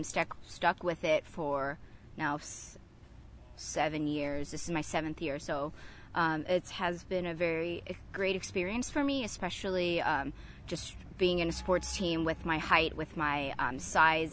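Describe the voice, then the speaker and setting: Young woman coxswain talking it through, bright tone, lots of um, a little hiss in the background. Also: low-pitched, normal speed. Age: young adult. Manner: lots of um fillers, chatty and upbeat. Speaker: coxswain on a college rowing team. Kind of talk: interview answers.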